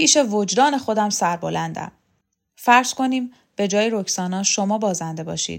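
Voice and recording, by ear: Reading aloud in a natural voice, lively intonation, against a quiet background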